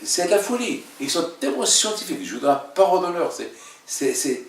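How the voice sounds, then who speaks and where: Halting, emphatic man teaching in an echoey room. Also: high-pitched, very animated. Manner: repeats phrases, halting, emphatic. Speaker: religious teacher, rabbi leading a class. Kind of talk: informal religious lesson with questions. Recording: echoey room, mic at a distance.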